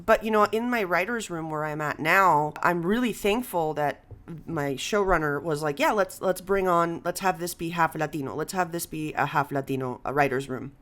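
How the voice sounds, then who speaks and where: A woman's voice: sits low, normal speed, fairly bright tone. Casual woman podcast host, chatty. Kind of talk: casual conversational podcast talk.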